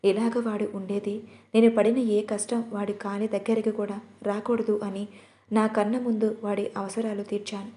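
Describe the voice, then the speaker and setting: A man's voice: high-pitched, flat delivery, moderate pace, dark tone, lightly acted. Woman voicing a tearful devoted husband. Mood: grieving. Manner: pleading, tearful. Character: grieving devoted young husband, emotional.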